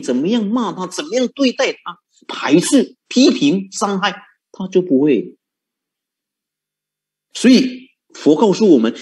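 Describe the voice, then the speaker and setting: A man's voice: on the high side, mellow. A man, a Buddhist monk, giving a dharma talk in Mandarin with a Fujian tinge, asking rhetorical questions and chuckling at his own points. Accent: Fujian-influenced Mandarin.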